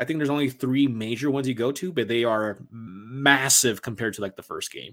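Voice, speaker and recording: A very clean recording with a silent background of a man at medium pitch and a moderate pace. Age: 30s. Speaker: podcaster and games writer. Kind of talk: casual chat.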